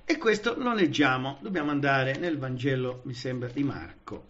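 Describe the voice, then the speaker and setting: A man's voice: medium pitch, moderate pace, muffled recording. A man preaching a Pentecostal Bible study, emphatic and engaging, often checking that his listeners follow. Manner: lively, emphatic, often asks the listeners "vedete?" and "capite?"; frequent fillers and restarts.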